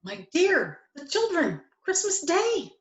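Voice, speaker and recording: A woman playing a kindly, good-humoured father in a storybook play, expressive and affectionate. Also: very high voice, slow, full character voice. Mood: gently chiding. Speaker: amateur reader, library staff. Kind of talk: dramatic reading of a classic story. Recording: echoey room.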